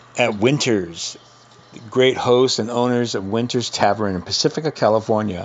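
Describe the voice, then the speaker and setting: Noticeable background noise sits behind this man. His pitch is medium, and his pace is moderate. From San Francisco Bay Area. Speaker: record label co-host. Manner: rambling, chatty, easygoing.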